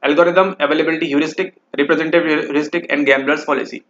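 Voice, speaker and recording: Rapid-fire and steady, a man with a fairly high, somewhat bright voice runs through exam questions, mixing Hindi and English. He checks in with the listener nonstop through a repeated "ठीक है," over slightly dull lo-fi audio with a faint hiss or hum.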